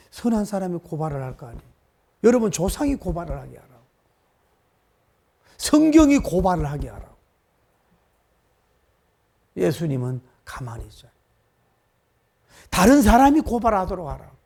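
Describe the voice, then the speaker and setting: A man's voice: on the high side, creaky, warm tone. A middle-aged male pastor preaching a sermon, emphatic and full of rhetorical questions to his congregation.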